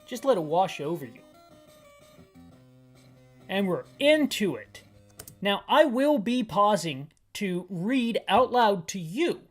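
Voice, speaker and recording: A man's voice: high-pitched, sing-song, slow, long pauses, soft background music. A man in his thirties talks through a video game in a loose, rambling way, describing what he sees for listeners. His delivery is hyper and self-deprecating, full of restarts and asides. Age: 30s. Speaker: gaming YouTuber. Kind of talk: casual audio-description gameplay commentary.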